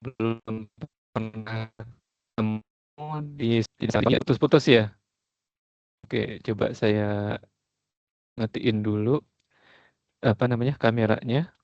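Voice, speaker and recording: A man giving a university lecture over a video call, his voice breaking up and glitching as the connection drops out, talking slowly with hesitations. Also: on the low side, steady tone, a little mellow, no room sound. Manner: unhurried, with frequent hesitations. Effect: choppy, glitching call audio that breaks up. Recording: muffled, dull video-call audio.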